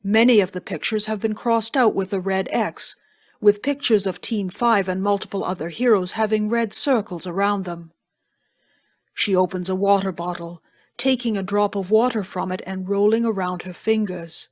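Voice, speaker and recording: Female narrator for an audio drama, mid-pitched, measured and descriptive, reading scripted scene directions. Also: fairly even intonation.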